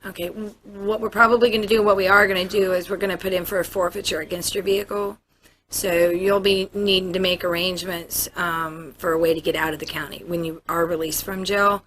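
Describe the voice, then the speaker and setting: A woman's voice: fairly low pitch, flat delivery, fairly quick, fairly bright tone. An American woman, a police officer, explaining procedure to a suspect in a matter-of-fact interview manner. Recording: noisy interview room audio.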